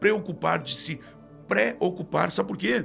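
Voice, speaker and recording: Vocal fry colors a man's lively intonation as he talks at a moderate pace. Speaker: pastor. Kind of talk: sermon. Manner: animated.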